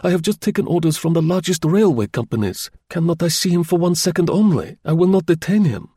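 Man putting on a high-pitched, pushy foreign salesman. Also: lively intonation, fairly quick, warm tone, breathy edge, no echo, studio quality. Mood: insistent. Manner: pushy, stilted non-native phrasing. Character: indignant foreign male salesman hawking steam packing.

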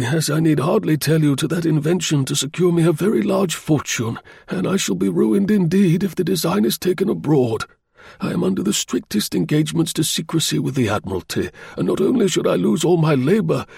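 Guy reading as a worried proud inventor, formal and emphatic, pitched up, bit raspy, audiobook style. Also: a little mellow, dry recording, studio quality, exaggerated voice. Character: anxious male engineer-inventor, proud and earnest.

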